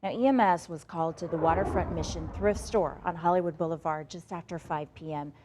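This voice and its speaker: A woman's voice: fairly low pitch, fairly quick, noisy background. An American woman anchoring morning news in a TV studio, switching between news reading and chatty, conversational delivery. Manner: chatty, conversational, teasing asides. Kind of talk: broadcast news reading with playful co-anchor banter.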